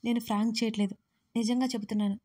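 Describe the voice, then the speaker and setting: A woman's voice: on the high side, flat delivery, fast talker, mellow, lightly acted. A woman voicing a bold young woman in love who talks in a teasing, self-assured way. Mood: playful.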